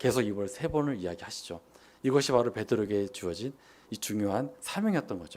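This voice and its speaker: Very fast and lively in intonation, a man talks in a fairly low pitch with big swings in loudness. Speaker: lay preacher. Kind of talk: sermon. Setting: church.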